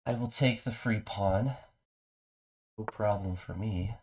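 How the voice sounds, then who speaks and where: A man's voice: slow pace, a little mellow, breathy edge. A man with a mild cold and a congested voice, casually talking through his chess moves on a live stream. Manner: low-key, talks through his moves.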